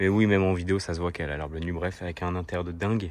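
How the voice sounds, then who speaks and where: Here a man speaks with fairly even intonation. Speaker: car-spotting vlogger. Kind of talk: vlog walkthrough commentary. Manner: whispering; hesitant, many fillers.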